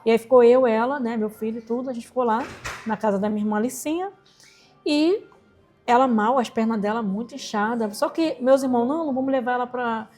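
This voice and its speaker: With faint music behind her, an entrepreneur and singer from Rocinha in Rio de Janeiro, Brazil, tells an emotional personal story as an interview guest. Her voice is fairly high and a little fast, and she's animated, acting out the voices she quotes.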